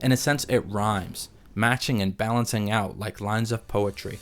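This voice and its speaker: A man narrating a scripted video essay in a measured, analytical way. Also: on the low side, fairly even intonation, faint music behind.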